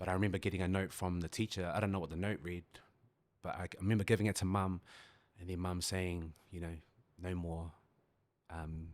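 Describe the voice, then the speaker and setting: A man with a New Zealand accent speaks at a fairly quick pace in a very deep, low voice, his intonation monotone and flat, with long, frequent pauses on a very clean recording against a silent background. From New Zealand, Christchurch. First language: Samoan. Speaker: family violence prevention worker and former barber. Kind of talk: podcast interview. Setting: café studio. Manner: halting, many fillers.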